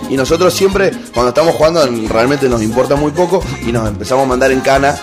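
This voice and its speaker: A man with an Argentine accent co-hosting a casual live show, telling stories in an animated, joking way. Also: mid-range voice, fast. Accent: Argentine Spanish. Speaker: co-host. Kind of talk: casual live-stream chat. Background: music playing.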